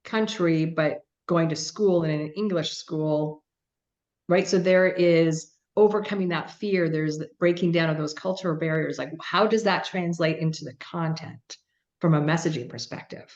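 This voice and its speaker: A woman's voice: low-pitched, measured pace, dull audio. A woman business coach in a conversational coaching session, guiding with questions and often checking in with "right?". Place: video call.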